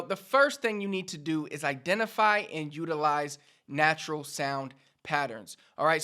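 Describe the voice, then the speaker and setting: A man's voice: on the high side, sharp tone. A Puerto Rican man with a Puerto Rican accent teaching Spanish to viewers in an upbeat, instructive way. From Puerto Rico. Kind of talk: direct-to-camera language lesson.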